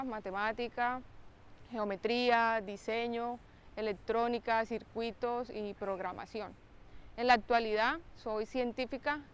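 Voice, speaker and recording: A young woman, a biomedical engineer, speaking to camera outdoors in a clear, explanatory way with occasional "eh" fillers. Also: fairly high pitch. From Colombia. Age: young adult. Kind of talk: to-camera interview. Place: outdoors by a lake with trees. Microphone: close mic, framed head-on.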